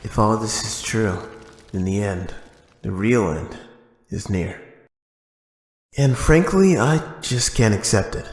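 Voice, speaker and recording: An actor playing a frank young crime-fighter in a comic-book audio drama, conversational and wry. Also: male voice, lowish voice, animated, takes it slowly, pauses often, a little hiss or hum. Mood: worried, wry.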